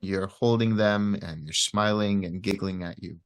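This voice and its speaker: A man leads a guided meditation in a fairly low voice. He talks very slowly and gently, pausing between short phrases as he gives each instruction. The sound is dry, with little room around it. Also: fairly even intonation, no room sound. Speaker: meditation teacher.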